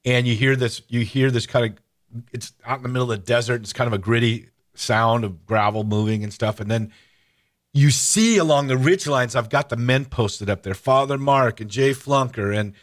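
A middle-aged man hosting a radio interview, telling stories in a lively, casual way with many restarts and fillers. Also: medium pitch, moderate pace. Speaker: host.

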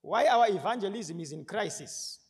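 A man in his thirties with a Zimbabwean accent, preaching a lively sermon from a podium microphone in a large hall, rising to emphatic shouts and asking the congregation questions. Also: high-pitched, moderate pace. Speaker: pastor. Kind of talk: sermon mixing Shona and English. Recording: reverberant hall sound.

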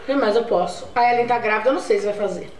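A woman's voice: a little high, racing. Young Brazilian woman chatting, echoey room. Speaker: vlogger. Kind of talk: casual chat to camera. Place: home kitchen and living room, indoors. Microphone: camera mic at table distance. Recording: roomy echo, distant mic, faint noise.

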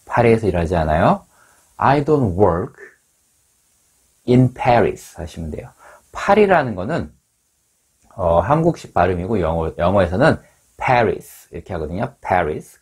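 Husky low-voiced man teaching English. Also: a little mellow. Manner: patient, repeats English phrases slowly for drilling. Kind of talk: online English lesson.

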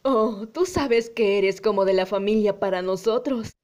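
A woman voicing a sweet but firm middle-aged mother hedgehog in a cartoon, polite and gently insistent. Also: medium pitch, unhurried, close to an everyday voice. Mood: cheerful, hospitable.

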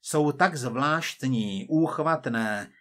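A man voicing a cold, persistent male agent from the future, measured and quietly menacing. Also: mid-range voice, natural voice.

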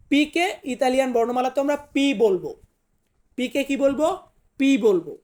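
A man teaching a language lesson, repeating each word and asking then answering his own questions. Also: extremely high pitch. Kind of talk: Italian alphabet lesson in Bengali.

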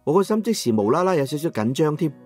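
Soft music plays behind a man narrating a first-person Cantonese audiobook quickly in a slightly high voice. He tells the story in a dramatic, expressive, colloquial way.

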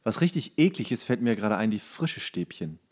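A man's voice: fairly low pitch, sing-song, a little fast, a little mellow. Crude, jokey man chatting casually. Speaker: podcast co-host. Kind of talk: casual comedic chat.

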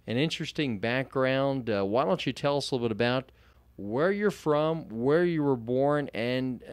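A male host opens a Christian radio show in an emphatic, preacherly way, stacking repeated phrases. His voice sits at a middle pitch. The studio sound is dry and close. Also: no room sound.

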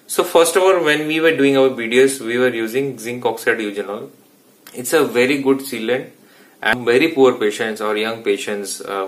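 A man's voice: medium pitch, fairly bright tone. Indian man explaining dental procedures. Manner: explanatory, informal, with frequent restarts. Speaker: dentist. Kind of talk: instructional vlog. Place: small indoor clinic room.

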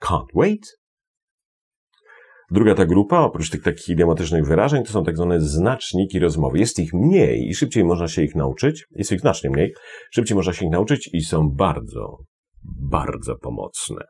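A man's voice: low voice, very animated, moderate pace, a little mellow, husky. A man from Poland teaching English phrases in an online lesson. He repeats words and explains with many fillers.

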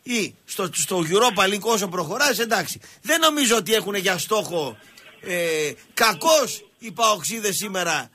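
Male radio sports host, high bright voice, blunt and scolding. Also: animated. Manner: blunt, scolding, keeps repeating short commands. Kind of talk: heated radio sports talk. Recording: call-in radio studio.

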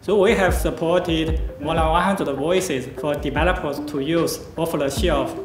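A man's voice: a little high, a little slow. A middle-aged man, not a native English speaker, explaining technical work as an engineering manager. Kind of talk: explanatory promotional interview. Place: modern office interior. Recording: roomy, music behind.

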